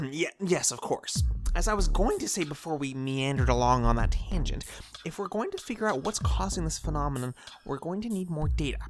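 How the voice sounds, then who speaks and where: A woman's voice: sits low, animated, fairly quick. A woman playing an eccentric, condescending scientist doctor in an audio drama, with a pedantic, theatrical and wordy manner. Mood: condescending, argumentative. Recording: music behind the voice.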